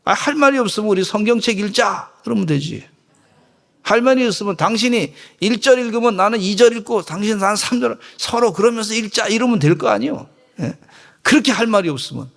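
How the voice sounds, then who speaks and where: A male pastor delivers a sermon in a church sanctuary, joking with the congregation and getting them to repeat phrases back. His voice sits high and fairly bright, with lively intonation, a fairly quick pace, and some creak. The recording has the echo of a church hall.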